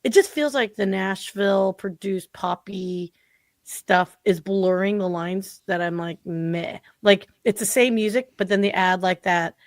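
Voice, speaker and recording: A woman's voice: mid-range voice, unhurried, no room sound, studio quality. A woman in her forties, a guest on a podcast, talking casually and animatedly with lots of filler words. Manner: chatty, animated, full of "like" fillers. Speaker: podcast guest, marketing consultant. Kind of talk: casual interview chat.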